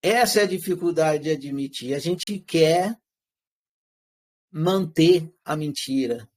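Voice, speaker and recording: A man's voice: fairly high pitch, takes it slowly. A man teaching a live class, asking his students questions and acting out everyday lines in quotes. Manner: animated, switches into acted quotes of everyday speech; rhetorical questions answered himself.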